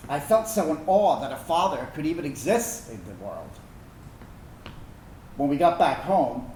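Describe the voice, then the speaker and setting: A man acting in a staged reading as a reflective, wounded but tender gay son of a military family, telling a personal story earnestly and haltingly. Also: fairly high pitch. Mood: awed, emphatic. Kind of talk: dramatic monologue reading of a personal narrative. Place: indoor room, staged reading. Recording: echoey room, distant mic, background noise.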